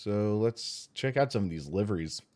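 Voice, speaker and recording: An American man in his twenties with a slightly hoarse voice, chatting casually and enthusiastically as he hosts a gaming livestream. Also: lowish voice, animated, moderate pace, darkish tone. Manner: upbeat, enthusiastic, informal. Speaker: host of a sim racing livestream.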